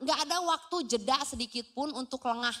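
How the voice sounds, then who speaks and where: Pitch swings very widely throughout. The pace is moderate, with a Sundanese accent. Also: woman. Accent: Sundanese-accented Indonesian. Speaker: preacher. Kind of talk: sermon. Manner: conversational, asks audience questions.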